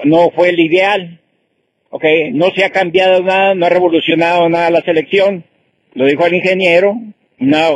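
A man's voice: on the high side, lo-fi sound. An older man from Jalisco with a Mexican accent, calling into a sports talk show and rambling heatedly, often tossing in "ok?". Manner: rambling, repeats "ok?". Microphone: phone while driving.

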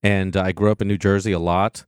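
Deep-voiced man, eager and stumbling. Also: little pitch movement, a little fast, clear, resonant tone, dry recording, studio quality. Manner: eager, with many restarts and repeated words. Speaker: actor guest. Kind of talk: radio interview conversation.

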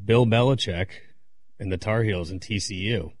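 A man's voice: on the low side, moderate pace. A man in casual sports chat as a co-host.

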